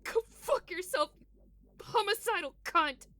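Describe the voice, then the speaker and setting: A woman playing a battered, stubborn, foul-mouthed captive in an audio drama, wry and defiant with a creaky voice. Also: very high voice, animated, a little slow, sharp tone, heavily acted.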